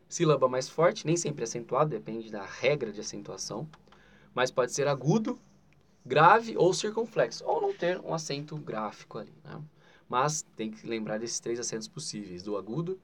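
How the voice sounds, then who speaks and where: Man, Brazilian Portuguese accent, grammar teacher, explanatory, stresses key terms. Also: mid-range voice. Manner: explanatory, with frequent "né?" asides and spoken emphasis.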